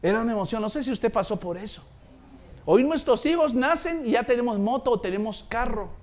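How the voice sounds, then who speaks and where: A man preaching a sermon, telling stories and acting out the voices in them, growing loud on his points of praise. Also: extremely high pitch, brisk. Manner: animated storytelling, acts out quoted voices, swells loud on praise. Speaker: pastor.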